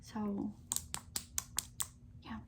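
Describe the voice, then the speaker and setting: A young woman in a soft-spoken ASMR chat, rambling casually with lots of fillers and giggles. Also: very slow, noisy background. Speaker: ASMR creator.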